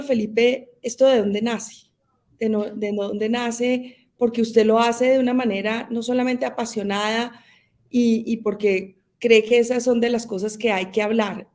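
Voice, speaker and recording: A woman hosts a podcast interview. Her voice sits a little higher than most, and she asks questions in a conversational way. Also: darkish tone. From Colombia. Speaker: podcast host.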